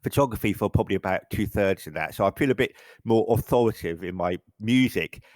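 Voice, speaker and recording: A middle-aged photographer from England, with a lowish, darkish voice, talks fast in a casual interview as a guest. He rambles and corrects himself, often stammering and restarting sentences, and the recording is dry.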